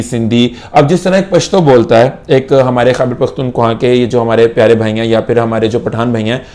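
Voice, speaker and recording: A man's voice: medium pitch, darkish tone. A young Pakistani man, an IELTS instructor, gives a lesson to camera in Urdu mixed with English and repeats key points for emphasis.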